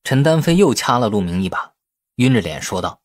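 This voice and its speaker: A man's voice: medium pitch, big pitch swings, a little fast, no room sound. A man reading a novel aloud as a scripted narration, in the role of audiobook narrator.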